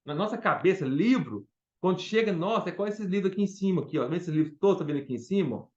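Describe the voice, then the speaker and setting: Emphatic Brazilian preacher, lo-fi sound. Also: male voice, sits high, animated, quick pace, darkish tone. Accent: Brazilian Portuguese. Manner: emphatic, asks the listeners questions, often says "tá?" and "ó". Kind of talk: Bible study sermon.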